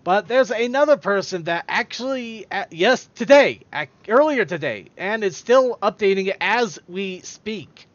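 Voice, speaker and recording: A man's voice: high voice, animated, measured pace, hardly any pauses, dry recording, dull audio. A man hosting a podcast in casual chat, rambling and stumbling over his words as he goes. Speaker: podcast host.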